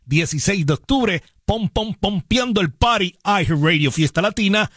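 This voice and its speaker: A man hosting a radio show as DJ, with drawn-out emphatic words and casual slang. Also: sits high, lively intonation, fairly bright tone, no echo, studio quality. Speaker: radio DJ and host. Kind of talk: upbeat Spanish-language radio presenting. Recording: broadcast radio with music under the voice. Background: music.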